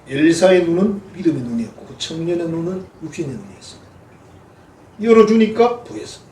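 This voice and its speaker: A man's voice: fairly high pitch, animated, fast talker, mellow, slight background noise. A man with a Gyeongsang Korean accent, preaching a sermon as a pastor in a folksy, humorous way. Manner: folksy, humorous, acts out quoted voices. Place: church sanctuary. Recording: echoey church hall, mic at a distance.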